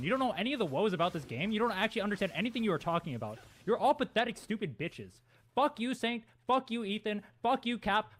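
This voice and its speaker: A man's voice: high voice, fairly bright tone. A man streamer in an angry, profane rant, taunting and challenging his critics.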